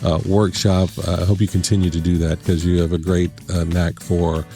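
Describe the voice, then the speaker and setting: A man hosting a podcast, playful and chatty, laughing often as he runs a quick question round. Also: low-pitched, level tone, mellow, faint music behind. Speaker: podcast host. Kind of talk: casual interview chat. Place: podcast studio.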